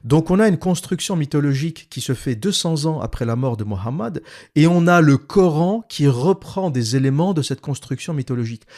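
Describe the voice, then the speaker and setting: A man's voice: on the high side, darkish tone. A man giving critical commentary while reading a text aloud, glossing terms and adding mocking asides. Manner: explanatory, restating terms. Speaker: video commentator.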